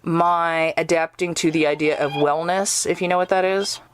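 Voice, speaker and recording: A woman's voice: fairly low pitch, fairly even intonation, moderate pace, slight background noise. A woman podcast host chatting casually and reflectively, drifting into asides and bits of imagined quotes. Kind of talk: casual interview chat.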